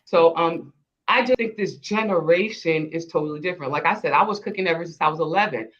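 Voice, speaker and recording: A woman's voice: lowish voice, fast, highs cut off. A woman, a guest talking earnestly in a casual panel discussion and laughing often. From Haiti.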